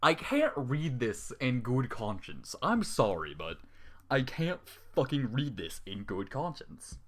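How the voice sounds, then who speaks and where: A man reading a story aloud and constantly interrupting himself with sarcastic, exasperated remarks. His pitch swings widely as he reads and rants, with a fair amount of swearing. He sits in the middle of the usual male pitch range. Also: big pitch swings, slow, a bit bright. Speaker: story reader. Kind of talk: dramatic reading with angry commentary.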